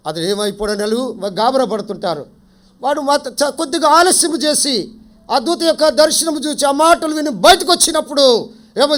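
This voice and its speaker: A man delivers a sermon to a prayer-house congregation in a strikingly high voice. He keeps stopping to quiz his listeners and repeats his main phrases to drive them home. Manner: asks the congregation questions and repeats key phrases. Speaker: preacher.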